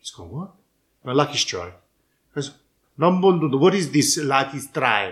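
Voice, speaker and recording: A man's fairly high voice with vocal fry and lively intonation, fairly slow, with long, frequent pauses and big swings in loudness. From Australia. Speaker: podcast host. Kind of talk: casual chat. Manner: animated.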